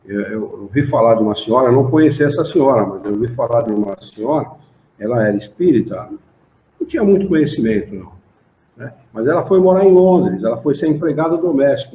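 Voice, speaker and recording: A man with a Brazilian accent leading a spiritist study class, explaining texts and asking the group rhetorical questions. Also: mid-range voice. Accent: Brazilian Portuguese. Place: meeting room of a study association. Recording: roomy, dull lo-fi room recording.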